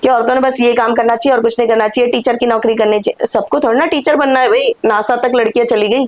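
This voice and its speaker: A high-pitched woman's voice at very even loudness, hardly any pauses, over noticeable background noise. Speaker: healer and tarot card reader. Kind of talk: podcast interview. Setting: studio podcast. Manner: animated.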